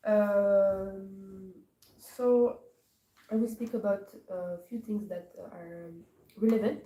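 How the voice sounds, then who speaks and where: A woman from Morocco gives a scripture class, pausing often and searching for her words. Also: medium pitch, dark tone. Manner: hesitant, searching for words with many pauses. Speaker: class speaker. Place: temple hall. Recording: echoey hall from far off, faint noise.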